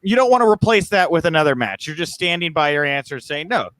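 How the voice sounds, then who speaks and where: A man's voice: a little high, expressive, fast talker, a bit bright, no echo. A man hosting a casual interview over a video call, chatty and self-deprecating. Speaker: interview host.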